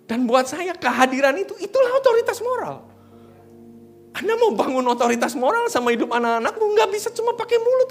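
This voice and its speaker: Here a middle-aged pastor's voice sits high as he preaches a sermon. He tells a personal story in a funny, conversational way, sometimes dropping to a hush.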